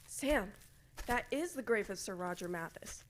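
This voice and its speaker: A woman's voice: medium pitch, lively intonation, moderate pace, close to an everyday voice. A woman playing an anxious, folksy New England villager with urgent delivery in an old-time radio drama. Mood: curious, uneasy.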